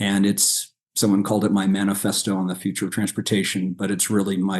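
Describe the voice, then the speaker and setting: This speaker has a General American accent and a monotone, flat intonation. The pace is fairly quick against a quiet background. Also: man. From Colorado. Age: 60s. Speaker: vehicle designer and author. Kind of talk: podcast interview.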